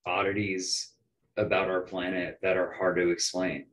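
An American man in his twenties, a musician guest on a podcast, talking in an animated, emphatic way and swearing casually. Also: low-pitched, moderate pace, a loud crowd, poor audio. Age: 20s.

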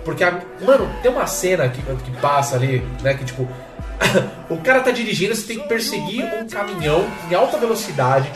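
Games journalist on a podcast, male, lively range, distant from the mic, echoey room with music. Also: high voice, a little fast. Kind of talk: casual podcast chat.

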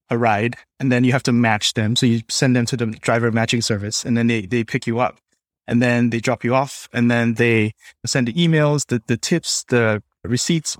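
Male podcast guest, conversational tech explainer, mid-pitched, dry close sound. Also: no echo. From Singapore. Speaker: podcast guest, developer experience lead.

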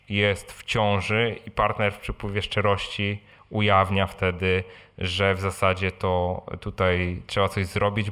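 A man's voice: lowish voice, fairly bright tone. A man hosting a live question and answer talk, speaking informally, repeating words and often adding short tag questions. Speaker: host answering audience questions. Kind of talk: live Q&A talk on personal finance. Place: live event before an audience.

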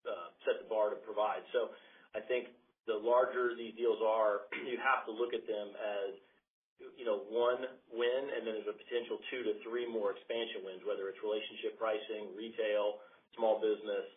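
A male company executive answering analyst questions on an earnings call, haltingly repeating words as he goes. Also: lowish voice, little pitch movement. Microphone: conference call line. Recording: muffled phone-band conference call.

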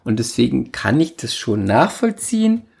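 A woman's voice: extremely low pitch, very animated, normal speed, creaky, a little mellow, breathy edge. A woman co-hosting a casual chat podcast, talking in a dry, ironic way. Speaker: podcast co-host.

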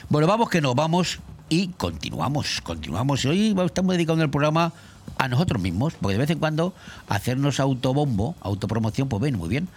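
Lively, jokey radio host. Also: male voice, mid-range voice, brisk, a little hiss or hum. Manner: jokey, talkative, teasing questions. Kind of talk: casual radio interview.

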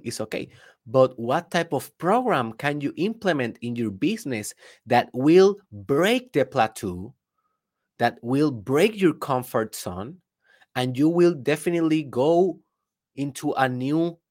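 Working as a business coach, a man whose first language is Spanish gives a forceful solo motivational speech, regularly posing rhetorical questions to his audience. His Spanish-accented voice sits at a medium pitch and has a slightly mellow quality.

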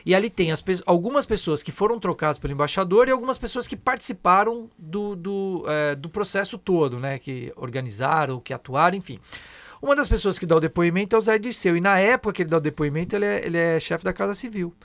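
A man's voice: high-pitched, expressive, fast, fairly bright tone. A man, hosting a casual discussion and explaining at length, often checking in with tag questions. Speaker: podcast host and history teacher.

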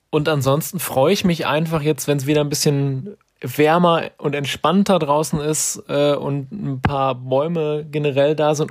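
Male podcast contributor, medium pitch, informal voice-message delivery, very dry recording. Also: no echo. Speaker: listener sending a voice message.

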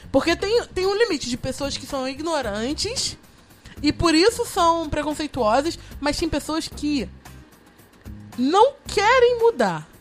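A woman's voice: sits high, expressive, normal speed, faint music behind. A woman chatting on a podcast, thinking aloud in a reflective way with blunt, joking turns. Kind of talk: casual podcast chat.

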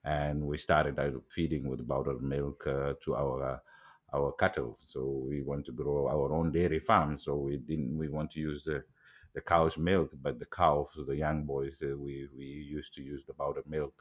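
A middle-aged man from Somalia with a Somali accent, talking as an interview guest in a halting way with many fillers and restarts. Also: very deep voice, little pitch movement. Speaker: guest, agriculture executive. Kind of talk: casual interview talk.

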